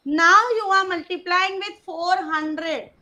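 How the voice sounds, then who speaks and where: A woman's voice: extremely high pitch, fairly even intonation, slow, pushed and bright. A woman with a South Asian accent teaching an interactive maths class, prompting students with short step-by-step questions.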